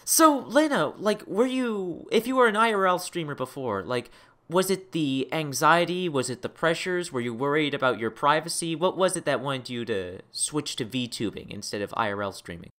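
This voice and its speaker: A woman's voice: sits low, expressive, normal speed, a bit bright. A woman hosting a casual interview in an effusive, playfully dramatic way. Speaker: interview host.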